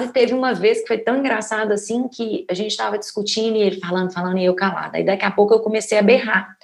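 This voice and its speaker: A woman's voice: medium pitch, vocal fry. A woman from Brazil co-hosting a podcast in a thoughtful casual chat. She searches for words and tags her sentences with little questions. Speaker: podcast co-host.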